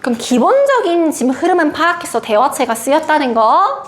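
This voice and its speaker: A young woman teaching a class, explaining a text in a lively way and acting out the lines it quotes. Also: high-pitched, brisk. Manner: animated, acts out quoted lines. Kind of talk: classroom lecture.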